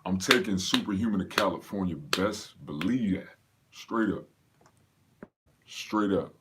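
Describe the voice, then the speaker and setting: A man's voice: deep voice, lively intonation, a little slow, fairly bright tone, a little hiss or hum. A man from Pennsylvania, raised in North Carolina, casually hosting a live fitness Q&A and greeting viewers by name in a slangy, laid-back way. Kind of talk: casual livestream chat.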